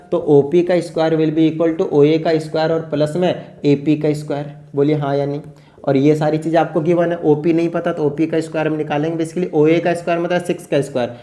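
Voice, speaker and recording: Talking fast through a maths lesson, this teacher keeps checking whether the students follow with rhetorical questions. He has a dark tone in a voice on the high side.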